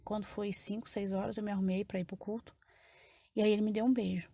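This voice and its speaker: With little pitch movement and a quick pace, a woman speaks in a warm, mid-range voice. Carrying a Brazilian Portuguese accent, she offers an emotional personal testimony to a church congregation and repeats phrases while telling her story.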